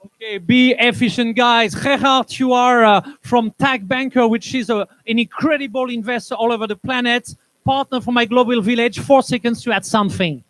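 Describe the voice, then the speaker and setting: A man hosting a live event on stage as an energetic emcee who hurries people along. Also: extremely high pitch, moderate pace, no echo, low-quality recording. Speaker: event host.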